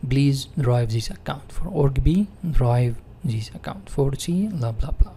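A man with an Egyptian Arabic accent giving a software tutorial in non-native English, reading and rephrasing as an instructor. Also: medium pitch, expressive, measured pace, a little hiss or hum.

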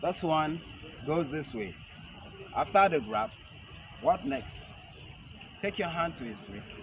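A man in his thirties teaching a hands-on self-defense lesson in short, halting phrases, repeating his instructions. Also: on the high side, lively intonation. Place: large open concrete outdoor arena with stepped stands. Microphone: camera a few metres away. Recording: muffled outdoor camera audio, loud ambient noise. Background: loud outdoor ambient noise.

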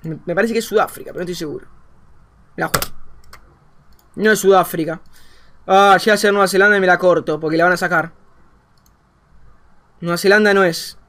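A young man with an Argentine Spanish accent, commentating a game as a streamer, thinking aloud and swinging between quiet muttering and excited outbursts. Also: sits high, a little fast, long pauses. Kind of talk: gameplay commentary.

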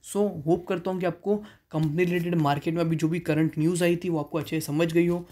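Man, stock market voice-over host, very dark mellow tone, mixes in english terms. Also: fairly high pitch, little pitch movement, fast. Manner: mixes English terms into Hindi, reads figures aloud with self-corrections.

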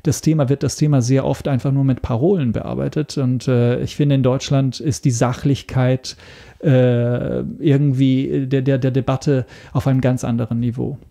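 Male interviewee, Italian accent, mid-pitched, fry in the voice, measured and word-searching. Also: little pitch movement, mellow. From Italy. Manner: hesitant, searching for words, measured. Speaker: interview guest, media information expert. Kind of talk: explanatory interview talk.

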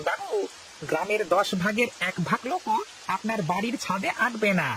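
Scheming servant, wheedling, animated pitch,, cartoon. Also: male voice, moderate pace, a little hiss or hum, poor audio. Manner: wheedling, lively swings of pitch. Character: sly greedy male servant, scheming. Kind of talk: cartoon voice acting.

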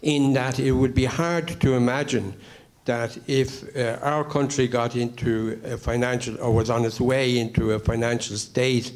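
A middle-aged man from Ireland stands to speak from the floor of a public meeting, halting often with fillers as he builds his point. His voice sits at an ordinary middle pitch. He holds a handheld microphone in a large conference hall. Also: steady tone. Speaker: convention member.

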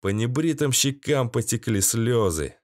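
A man's voice: medium pitch, animated, a little slow, no echo, clean studio sound. A man reading a first-person audiobook in a tense, gritty way with crude slang. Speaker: audiobook narrator.

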